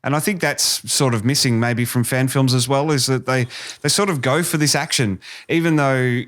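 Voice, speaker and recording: A man's voice: mid-range voice, normal speed, fairly bright tone. A man hosting a podcast interview in a casual, chatty style.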